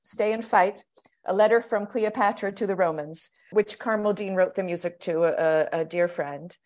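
A woman from Pittsburgh talks as a podcast guest, her mid-range voice thoughtful and measured. She takes her time and laughs softly now and then. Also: mid-range voice. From United States (Pittsburgh). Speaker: guest, stage actor. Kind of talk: casual podcast interview.

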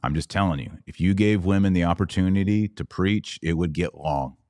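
A man hosting a Catholic podcast, giving a sermon-like explanation in an emphatic, deliberate way with dramatic pauses. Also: sits low, darkish tone, dry recording, clean studio sound.

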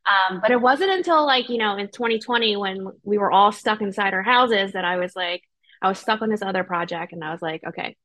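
A woman's voice: medium pitch, a little fast, fairly bright tone. A woman speaking as an author guest in a casual interview, informal and conversational. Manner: informal, frequent "you know" and "like". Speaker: podcast guest, debut novelist.

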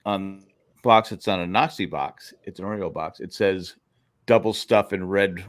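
A man's voice: low voice, moderate pace. An older man co-hosting a casual podcast, telling rambling stories with lots of stammered restarts. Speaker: podcast co-host. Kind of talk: casual chat.

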